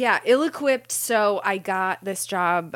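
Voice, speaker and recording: An ordinary speaking voice moves at a fairly slow pace with ordinary pitch variation in a very clean recording with a silent background. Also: woman. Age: 30s. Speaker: comedy writer and podcast host. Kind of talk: casual chat.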